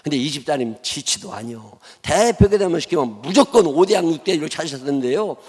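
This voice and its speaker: A man's voice: a little high, animated, a little fast, darkish tone, slightly rough, long reverb tail. A middle-aged man with a Chungcheong accent preaching a sermon as a pastor, telling stories in a blunt, humorous, folksy way. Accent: Chungcheong Korean. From Chungcheong, South Korea. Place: church sanctuary.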